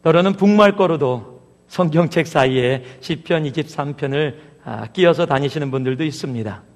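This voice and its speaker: Higher-voiced pastor preaching in a reverberant hall. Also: male voice, moderate pace. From Chungcheong Province, Korea. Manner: conversational, addresses the congregation with questions. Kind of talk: sermon. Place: church sanctuary.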